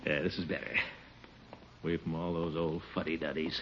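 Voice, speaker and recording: A man's voice: extremely low pitch, flat delivery, brisk, crowd noise. An actor playing a boastful, pompous middle-aged male water commissioner in a 1950s radio sitcom, chuckling and sputtering as he talks. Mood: romantic. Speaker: lead character. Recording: muffled old radio broadcast with music.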